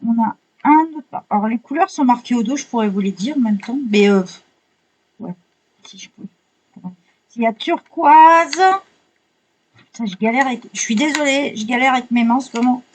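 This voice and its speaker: A woman with a slightly husky, somewhat high voice chats through an unboxing. She is excitable, swears casually and keeps apologizing as she goes. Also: moderate pace, pauses often, rough recording. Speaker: vlogger unboxing art supplies.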